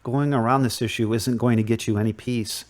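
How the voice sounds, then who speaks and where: A man acting a calm, measured counseling Catholic priest in an audio drama. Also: mid-range voice, natural voice. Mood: calm, advisory.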